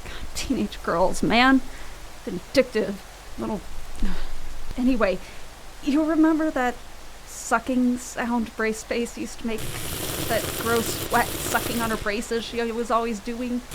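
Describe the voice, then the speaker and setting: Radio horror play: actress as a haunted, grieving woman, high-pitched, hesitant and fearful, faint rainy hiss behind. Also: steady tone, slow, low-quality recording. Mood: agitated. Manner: hesitant, stammering, pleading. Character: anxious grieving woman, tipsy, haunted by guilt and fear.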